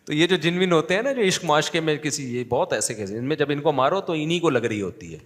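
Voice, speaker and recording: A man giving a lively storytelling sermon as a cleric, acting out the people in his stories. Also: fairly high pitch, in a large hall.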